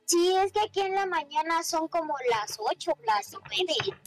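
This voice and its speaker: A woman with a very high voice and a Mexican accent chats casually over voice chat during a game, trailing off and filling pauses. Game music plays clearly behind her. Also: expressive. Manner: chatty, with fillers like "este". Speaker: gaming guest. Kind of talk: casual chat while gaming.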